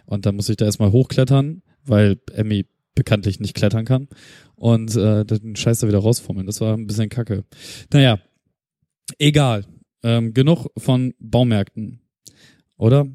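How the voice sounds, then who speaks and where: A man's voice: on the low side, steady tone, normal speed, warm tone, dry recording, studio quality. A man co-hosting a casual podcast chat, rambling and interrupting himself, with casual swearing. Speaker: podcast co-host.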